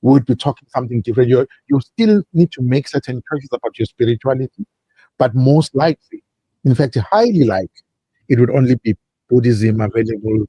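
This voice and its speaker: A man's voice: mid-range voice, expressive, fairly quick, mellow, husky, no room sound, low-quality recording. A man from South Africa, a guest on a talk show, speaking at length in an expansive, speechifying way. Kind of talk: talk-radio interview.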